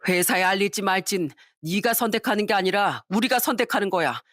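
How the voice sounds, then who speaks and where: A woman's voice: mid-range voice, animated, brisk, a bit bright, no room sound. Woman playing an angry husband, harsh, commanding, scolding, storybook voice, dry close sound. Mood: furious. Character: angry middle-aged husband defending his wife. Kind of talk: dramatized story reading.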